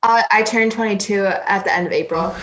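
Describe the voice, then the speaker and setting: A woman's voice: mid-range voice, brisk, a bit bright, slight background noise. A 21-year-old woman speaking candidly as an interview guest, rambling with many fillers. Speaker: interview guest, college swimmer. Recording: roomy echo.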